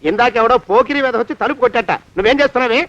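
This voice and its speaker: A bossy, stingy master. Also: male voice, extremely high pitch, very fast, a bit bright, no room sound. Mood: lecturing. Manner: scolding, barking orders. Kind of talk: film comedy dialogue. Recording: dull film soundtrack.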